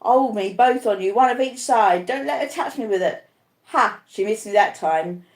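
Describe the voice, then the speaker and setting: A woman's voice: on the high side, normal speed, roomy sound, lightly acted. A woman reading a storybook as a terrified dying man, raving and pleading in panicked cries. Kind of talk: audiobook character acting.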